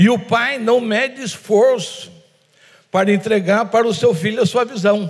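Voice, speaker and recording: At a fairly slow pace, a man talks in a high pitch with fairly even intonation. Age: 60s. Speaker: pastor and advertising executive. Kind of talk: sermon.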